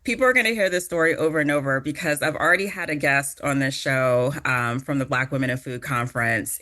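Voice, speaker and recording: A woman's voice: very deep voice, bright, forceful tone. A woman hosting a podcast, reading a scripted intro and then chatting casually with her guest in an upbeat way. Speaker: podcast host.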